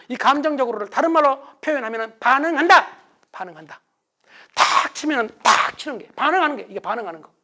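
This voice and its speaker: A middle-aged man giving a motivational lecture to an audience, acting out quarrels in a raised voice. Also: extremely high pitch. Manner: animated, acts out quarrels in raised voice.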